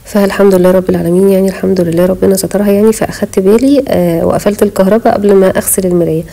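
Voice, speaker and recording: Breathless Egyptian woman, rapid chat. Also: mid-range voice, fairly even intonation, gravelly, mellow, rough recording. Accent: Egyptian Arabic. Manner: chatty, pious, talks straight to viewers. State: short of breath while talking. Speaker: home vlogger. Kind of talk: casual voice-over chat. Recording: voice-over.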